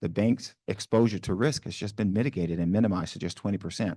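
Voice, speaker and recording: A man talks at a fairly quick pace with a Southern US accent. The background is quiet. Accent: Southern US, slips out at times. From New Orleans, Louisiana. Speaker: small business lending official, panelist. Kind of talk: panel discussion presentation. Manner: many fillers and repetitions.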